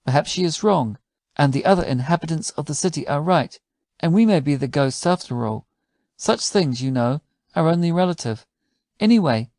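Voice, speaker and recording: Man reading as an earnest, creaky-voiced poet. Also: a little high, lively intonation, moderate pace, darkish tone, no echo, clean studio sound. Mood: musing. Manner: formal, old-fashioned phrasing. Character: earnest, wistful male poet, gently argumentative.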